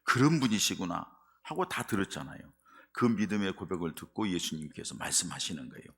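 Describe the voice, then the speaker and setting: Gravelly, animated male pastor preaching. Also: low voice, fairly quick. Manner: animated storytelling, rising to emphatic; leads the congregation in call and response. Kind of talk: sermon.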